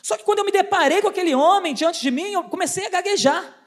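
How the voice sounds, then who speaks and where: A woman giving a lively church testimony, telling a story and acting out the dialogue in a dramatic, animated way. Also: very high-pitched, fast talker. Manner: animated storytelling, acts out dialogue, stammering asides. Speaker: lay preacher giving a testimony. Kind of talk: testimony preaching.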